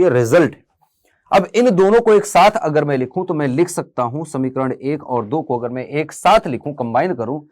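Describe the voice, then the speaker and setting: Hindi physics teacher guy, kinda high voice, asks students questions, calls them beta. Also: a little mellow. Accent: Hindi, north Indian. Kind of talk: classroom lecture.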